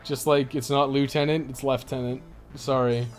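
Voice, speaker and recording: Canadian guy streamer just rambling to chat, kinda sweary and irreverent, medium pitch, some music in the background. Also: flat delivery, moderate pace. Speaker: video game live streamer.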